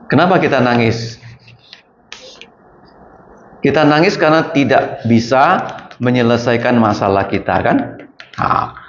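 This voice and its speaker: A man gives an interactive sermon at an everyday pitch, questioning his listeners and calling on them by name. His colloquial delivery swings between loud emphasis and quiet asides. The recording is dull and lo-fi, with a roomy echo. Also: a little hiss or hum. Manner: colloquial, rising and falling emphasis. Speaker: preacher teaching a class. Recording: echoey room, dull lo-fi sound.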